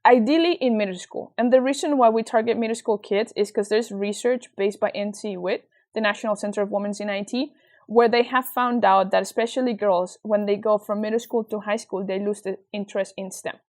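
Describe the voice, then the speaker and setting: A young woman from Venezuela with a Venezuelan Spanish accent, talking as an interview guest with earnest, animated storytelling. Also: medium pitch, fairly quick. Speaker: guest, nonprofit founder. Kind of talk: casual interview chat.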